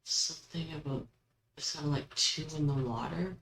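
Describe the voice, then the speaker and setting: A woman hosting a paranormal session, asking questions aloud and commenting casually, with halting pauses between them. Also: deep voice, fairly bright tone. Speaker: host of a spirit box session. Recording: roomy echo, background noise.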